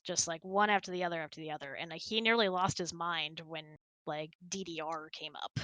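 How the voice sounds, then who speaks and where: A woman's voice: on the low side, a little fast, bright, forceful tone, poor audio. A woman in her thirties, giggly and chatty, hosting a casual question-and-answer hangout. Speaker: host. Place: indoors, close and dry online voice hangout.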